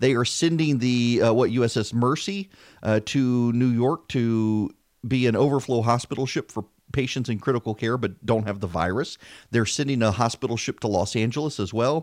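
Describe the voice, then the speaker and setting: Here is a man with an American accent at medium pitch, speaking at a moderate pace. His pitch varies in an ordinary way over a quiet background. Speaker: radio talk show host. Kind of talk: talk radio monologue. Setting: studio. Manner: halting.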